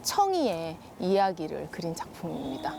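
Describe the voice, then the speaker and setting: Woman, high-pitched and very animated, expressive explainer as an interview guest, faint background noise. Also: moderate pace, vocal fry. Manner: expressive, explains with rhetorical questions and acted-out quotes. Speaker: guest children's literature author. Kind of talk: explanatory talk-show interview.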